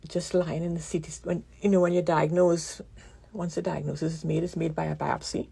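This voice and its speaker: A woman physician giving a radio interview, with a croaky voice from a damaged vocal cord nerve, explaining things calmly with many pauses. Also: sits low. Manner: calm, explanatory, pauses often.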